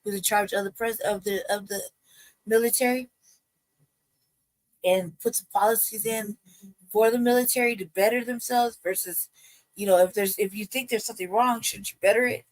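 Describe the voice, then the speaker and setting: A livestream host chatting loosely to viewers, hesitant and full of fillers. The sound is dry and close, with no room around it. Pitch sits in the middle of the range. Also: fairly even intonation, normal speed, pauses often, dry recording. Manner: rambling, hesitant, many ums. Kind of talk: casual livestream commentary.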